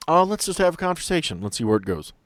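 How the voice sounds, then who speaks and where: A man running a tabletop game as game master, explaining rules in a relaxed, casual way. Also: a little high, quick pace, no room sound. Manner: relaxed, explanatory, laughs easily.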